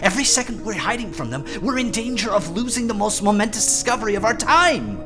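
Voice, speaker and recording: A woman playing a loyal, excitable but pragmatic scientist's assistant in an audio drama. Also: medium pitch, fast, over music, natural voice. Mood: pleading, persuasive. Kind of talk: audio fiction drama acting.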